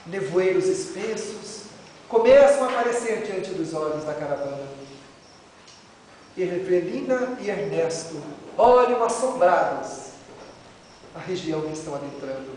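A middle-aged Brazilian man giving a religious lecture in a dramatic, emphatic, rhetorical manner. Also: sits high. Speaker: lecturer at a Spiritist center. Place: indoor lecture room with a chalkboard. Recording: very echoey, noisy hall, distant mic.

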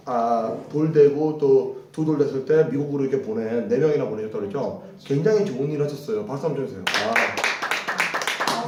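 A man's voice: medium pitch, darkish tone, recorded from a distance, a little hiss or hum. Teacher, male, leads repeat-after-me drills, recorded from afar in a reverberant hall. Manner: drills phrases, repeating them and cueing the class; chatty asides between drills. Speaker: English teacher. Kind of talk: classroom English lesson.

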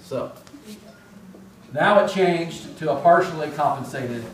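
Slow and fairly high-pitched, a middle-aged man teaches respiratory therapy from the whiteboard of a large classroom while wearing a face mask. His manner is easygoing and self-mocking, with frequent questions for the class. The audio comes from a faraway camera in an echoing room.

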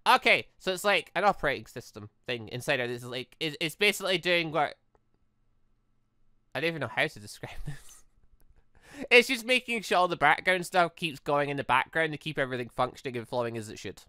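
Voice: mid-range voice, expressive, brisk, sharp tone, dry recording, studio quality. A gaming video host giving exclamatory, rambling commentary on a playthrough, often interrupting themselves mid-thought. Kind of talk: playthrough commentary with read-aloud dialogue.

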